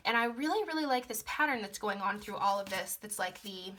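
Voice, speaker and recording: A young woman chatting casually through a planner sticker haul, gushing and repeating words, her voice slightly hoarse from being sick. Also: mid-range voice, expressive, fairly quick, pushed and bright. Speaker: planner vlogger.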